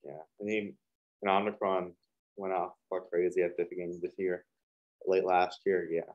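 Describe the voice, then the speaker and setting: Young guy rambling casually between clips, lowish voice, muffled lo-fi sound. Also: little pitch movement, fairly quick. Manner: rambling, full of fillers and restarts. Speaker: reaction video host. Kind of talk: casual reaction commentary. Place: small hot home studio with a fan running. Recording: dull lo-fi sound.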